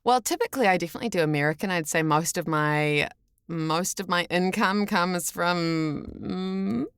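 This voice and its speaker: A woman's voice: fairly low pitch, moderate pace, smooth, dry recording, clean studio sound. A woman with a New Zealand accent chatting casually as a voice actor being interviewed, with a chatty, giggly manner. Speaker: voice actor, podcast guest.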